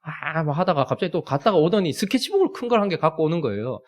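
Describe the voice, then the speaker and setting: A man's voice: fairly high pitch, very animated, fast talker. A man, preaching a sermon and telling a family story, acting out the scenes. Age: 30s. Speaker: pastor.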